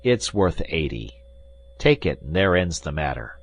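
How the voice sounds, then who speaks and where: A man's voice: a bass voice, big pitch swings, unhurried, heavily acted. A man voicing an earnest, hot-headed young musketeer who speaks urgently. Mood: brisk. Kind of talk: audiobook character reading.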